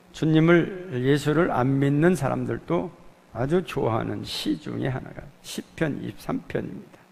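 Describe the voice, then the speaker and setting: A male pastor from Jeolla province preaching a Sunday sermon in a church, halting with drawn-out "ah" and "eh" fillers and sudden emphatic rises on key words. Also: mid-range voice, vocal fry, a little mellow. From Jeolla province, Korea. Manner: halting, fills pauses with drawn-out "ah" and "eh". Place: church sanctuary. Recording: long hall reverb from a church.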